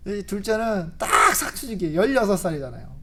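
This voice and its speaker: A woman's voice: mid-range voice, measured pace, background noise. A woman preacher giving a conversational sermon at a church service, telling stories with rhetorical questions and laughing often. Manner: animated storytelling with rhetorical questions and frequent laughs.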